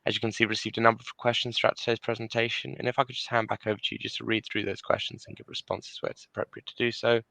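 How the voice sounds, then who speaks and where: A man's voice: medium pitch, level tone, gravelly, bright, forceful tone, dry recording, poor audio. A man hosting an investor webinar, thanking presenters and reading polished housekeeping notes. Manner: brisk, polished, announcer-like. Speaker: webinar host. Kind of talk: scripted host link.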